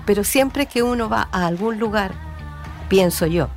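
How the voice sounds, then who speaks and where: A woman, a folklorist guest speaking thoughtfully and clearing her throat now and then. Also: medium pitch, unhurried, soft background music. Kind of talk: casual interview talk.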